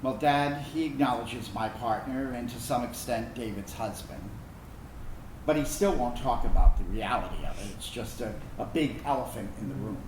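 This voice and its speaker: A man acting in a staged reading as a reflective, wounded but tender gay son of a military family, telling a personal story earnestly and haltingly. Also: medium pitch, darkish tone, close to an everyday voice. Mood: resigned. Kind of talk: dramatic monologue reading of a personal narrative. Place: indoor room, staged reading. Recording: echoey room, distant mic, background noise.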